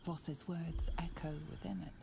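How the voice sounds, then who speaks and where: A woman playing a grave, mysterious narrator in a video game, hushed, deliberate and portentous. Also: fairly low pitch, fairly even intonation, gravelly, noisy background. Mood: grave, questioning.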